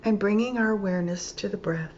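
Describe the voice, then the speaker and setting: A woman teaching yoga nidra, leading a guided meditation calmly and gently, in short phrases with pauses between them. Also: medium pitch. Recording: dull lo-fi sound with clear background noise.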